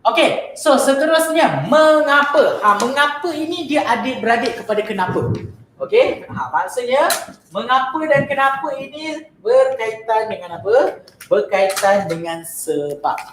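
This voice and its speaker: Malaysian woman tutor, lively up and down voice, acts out example questions, echoey room w faint hum. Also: fairly high pitch, unhurried. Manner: lively, asks and answers her own example questions. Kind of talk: online grammar lesson.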